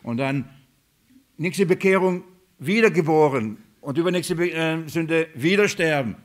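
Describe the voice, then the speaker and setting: A male preacher delivers a sermon in a slightly raised voice. He repeats his key words, throws rhetorical questions at the congregation and swings between loud emphasis and hushed, lowered lines. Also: a little slow.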